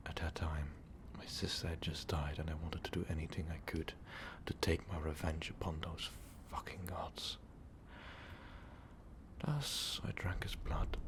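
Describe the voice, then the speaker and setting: A man playing an ancient, brooding vampire overlord in a slow, halting, breathy half-whisper for an ASMR roleplay. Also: a bass voice, heavily acted. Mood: brooding, bitter. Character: ancient brooding male vampire overlord confessing his dark past. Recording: noticeable background noise.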